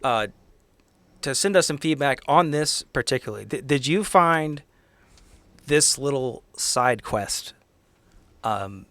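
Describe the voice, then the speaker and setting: A man talking casually and haltingly as a player and co-host of a tabletop game podcast. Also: mid-range voice, lively intonation, fairly bright tone, no room sound.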